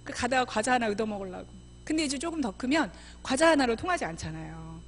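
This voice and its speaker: Lively middle-aged woman preaching in church. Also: fairly high pitch, fast, slight background noise. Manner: lively, acts out mothers and children in quoted voices. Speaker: missionary speaker. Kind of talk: church seminar talk. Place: church sanctuary.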